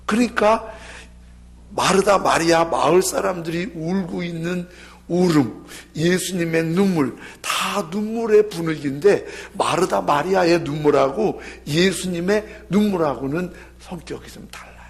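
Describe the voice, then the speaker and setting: Male pastor, gravelly, fairly high voice, animated sermon storytelling. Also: measured pace. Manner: animated storytelling, acts out voices of biblical figures. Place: church.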